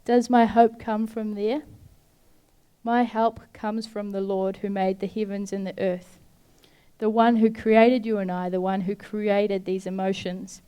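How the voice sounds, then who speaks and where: A woman delivers a heartfelt devotional message, speaking to the listener directly and urging them gently. Her voice is mellow and warm, with a smooth, clear tone. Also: mid-range voice, level tone, measured pace. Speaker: speaker giving a devotional talk. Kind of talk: earnest devotional talk.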